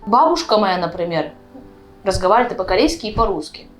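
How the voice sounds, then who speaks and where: A woman's voice: mid-range voice, very animated, fast talker. Young woman from Uzbekistan chatting over music. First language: Russian. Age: 20s. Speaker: guest, vlogger. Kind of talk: casual explanatory chat.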